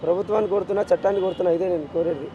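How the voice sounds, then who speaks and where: A man's voice: high-pitched, fairly even intonation, very fast, muffled recording, a crowd in the background. A middle-aged man with a Telangana Telugu accent, a bereaved father giving a street news interview, anguished and insistent as he repeats his demands. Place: outdoors on a city street.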